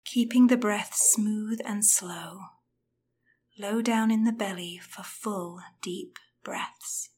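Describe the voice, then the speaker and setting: A woman guiding a breathing meditation in a soft, soothing voice that often drops to a whisper. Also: medium pitch, takes it slowly, slightly rough. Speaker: meditation guide.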